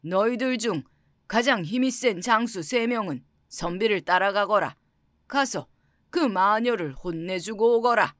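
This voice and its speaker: A woman's voice: medium pitch, a little slow, fairly bright tone, no room sound, studio quality, natural voice. A woman doing a stately dragon king. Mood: commanding. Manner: stately, giving orders. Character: commanding old male dragon king. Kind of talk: storybook character voice.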